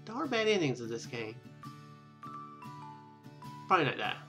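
Male game streamer, casual and rambling, bright expressive voice, light game music underneath. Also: medium pitch, moderate pace, creaky. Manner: rambling, joking. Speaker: let's play host.

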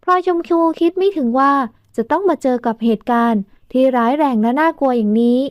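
High-voiced woman narrating an audio novel. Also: lively intonation, brisk, no echo. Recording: dull dry studio recording.

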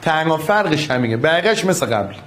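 High-voiced man teaching physics. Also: lively intonation, a bit bright, slight background noise. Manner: coaxing, affectionate, repeats key steps. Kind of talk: online class lecture.

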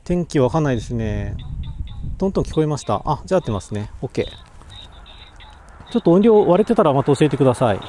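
With a warm, sing-song voice on the high side, this cycling livestreamer talks fast but pauses often while chatting casually to viewers outdoors. He mumbles mic checks and works on his audio, recording through a voice recorder mic.

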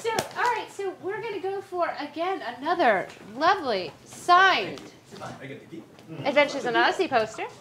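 Sex: woman. Role: host running trivia. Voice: very high, lively, bubbly. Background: faint room noise. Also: moderate pace. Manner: bubbly, cheerful. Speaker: meetup host.

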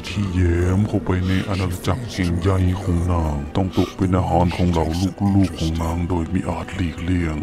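A man playing a huge, slyly threatening demon lord in a dubbed game cutscene, speaking in an ominous, deliberate, taunting way. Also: low-pitched, level tone, over music. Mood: ominous, knowing.

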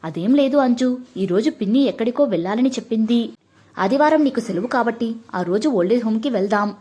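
A woman with a mellow, husky voice voicing a remarried father in a storybook reading. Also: a little high, lively intonation, brisk. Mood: coaxing. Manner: coaxing then curt. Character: widowed father, remarried, hurried and awkward.

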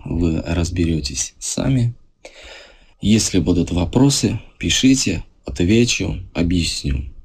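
A man gives a casual video lesson in a low, slightly husky voice. He takes his time and walks through each point patiently. Now and then he checks whether his viewers are following. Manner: relaxed, explains step by step, asks the viewers questions. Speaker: language teacher. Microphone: voice-over over filmed handwritten notes.

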